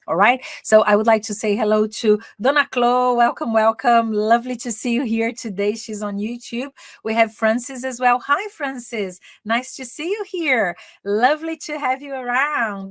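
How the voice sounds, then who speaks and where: A woman's voice: a little high, no room sound, studio quality. Bilingual woman teaching live. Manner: switches between Portuguese and English, repeats each point in both. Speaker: English teacher and communication coach. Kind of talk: live-streamed bilingual class. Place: her home, living in England.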